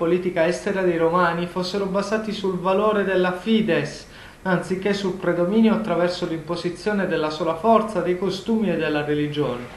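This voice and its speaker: A man's high-pitched voice with fairly even intonation at a fairly quick pace, over noticeable background noise. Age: 30s. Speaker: philosophy graduate. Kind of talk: prepared lecture. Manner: formal.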